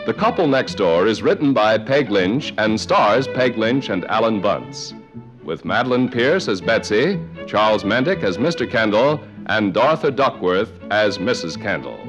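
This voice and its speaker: A man's voice: fairly low pitch, lively intonation, moderate pace. A man reading a scripted announcement as a 1950s radio announcer. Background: loud music.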